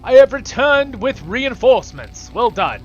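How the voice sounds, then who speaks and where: A man voicing a spirited elf bard in a fantasy game, with a theatrical, excitable manner. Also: very high-pitched, a little slow, highs cut off, faint music behind, voice pushed up, heavily acted. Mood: rallying. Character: spirited male fantasy elf bard, eager battle comrade. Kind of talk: acted fantasy game role-play.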